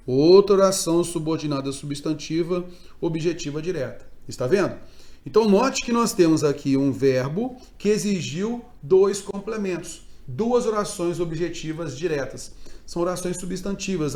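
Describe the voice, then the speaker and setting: A Brazilian man teaching a Portuguese grammar lesson online, explaining step by step and often checking in with quick tags. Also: on the high side, darkish tone. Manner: didactic, frequent check-in tags, emphatic stresses. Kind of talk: online exam-prep lecture.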